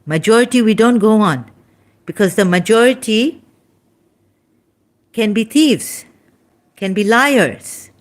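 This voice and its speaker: A religious commentator, a woman with a Pakistani accent whose first language is Sindhi, gives an informal religious talk in halting, broken English with many restarts. Her voice is medium-pitched, and in the later part she grows tired, winded and soft-spoken.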